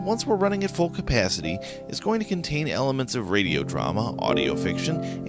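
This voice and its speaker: A man hosting his own horror podcast, giving a chatty, upbeat introduction to the show. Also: lowish voice. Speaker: podcast creator and host. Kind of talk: casual direct-address introduction.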